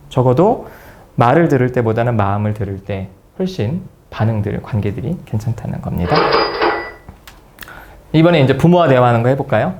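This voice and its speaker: A man's voice: mid-range voice, background noise. A man giving a psychology lecture to an audience, acting out everyday dialogue as he teaches. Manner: lively, acts out quoted dialogue. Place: lecture room.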